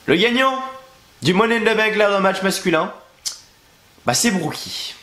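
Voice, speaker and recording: Young man, stuffy with flu, slightly high voice, crude exasperated rant, echoey home room. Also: lively intonation, measured pace, bright, forceful tone. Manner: crude, exasperated, sarcastic ranting. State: sick with flu, congested. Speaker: wrestling review youtuber. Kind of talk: ranting video review. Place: at home, in a bedroom. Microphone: camera facing him.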